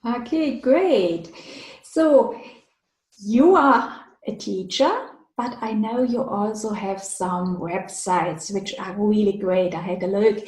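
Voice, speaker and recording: A woman's voice: mid-range voice, takes it slowly, darkish tone. A woman, a language teacher hosting a casual interview, giving earnest advice while thinking aloud. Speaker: language teacher and channel host. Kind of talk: casual video-call interview. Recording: roomy echo.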